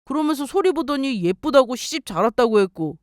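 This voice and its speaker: A woman's voice: high-pitched, very animated, a little fast, no echo, clean studio sound. Woman voicing a whiny clingy ex-husband. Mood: complaining. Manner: whiny, pleading. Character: clingy, self-pitying ex-husband, man in 30s. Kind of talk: dramatized story reading.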